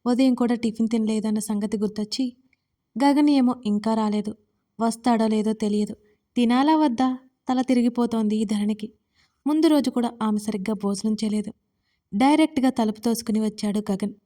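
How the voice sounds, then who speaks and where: A woman storyteller narrates a drama in a calm, steady reading. Her voice sits somewhat high with a warm, mellow tone. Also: moderate pace.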